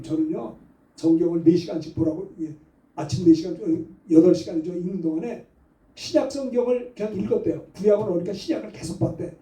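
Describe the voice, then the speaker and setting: Middle-aged pastor preaching in an echoey church. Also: male voice, sits high, mellow. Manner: conversational storytelling, building to fervent exhortation. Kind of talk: Sunday sermon with storytelling. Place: church sanctuary. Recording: echoey church hall, mic at a distance.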